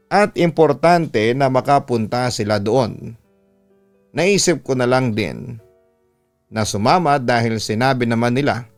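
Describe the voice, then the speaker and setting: Male storyteller over background music. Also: medium pitch. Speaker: radio storytelling host reading a listener's letter. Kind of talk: dramatic scripted narration of a first-person horror story.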